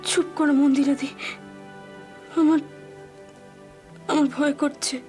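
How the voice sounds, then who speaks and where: Clingy Bengali patient, soft and pleading, higher voice. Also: female voice, level tone, slow, soft background music. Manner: gentle, pleading, easily hurt. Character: anxious young woman fellow patient, clingy. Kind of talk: TV serial drama acting.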